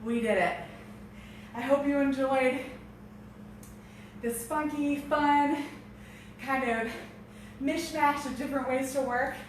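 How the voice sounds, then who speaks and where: A woman's voice: sits high, fairly even intonation, slow pace. A woman coaching a workout as an aerobics instructor, with peppy encouragement and audible exertion in her breathing. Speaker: aerobics and strength instructor leading a home workout. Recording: echoey room, distant mic, noisy.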